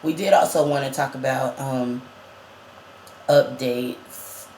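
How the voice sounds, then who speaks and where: A trans man chats easily and laughs often, with plenty of ums along the way. His voice sits at a middling pitch and cracks now and then. The sound is roomy and echoey, with a faint hum behind it. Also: takes it slowly, darkish tone. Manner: chatty, laughs often, many fillers. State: voice cracking, going up and down. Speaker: vlogger. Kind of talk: casual chat.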